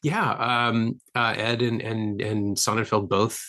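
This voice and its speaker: A man's voice: lowish voice, steady tone, a little slow, sharp tone. A man in his fifties hosting a podcast, chatting casually about films in a wry, talkative way. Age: 50s. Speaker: podcast host. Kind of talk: casual film chat.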